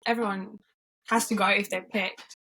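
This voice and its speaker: A woman's voice: mid-range voice, flat delivery, moderate pace, creaky, bright, forceful tone, poor audio. A young woman from Norway, cheerful and upbeat, chatting casually as an interview guest, with frequent yeahs and ums.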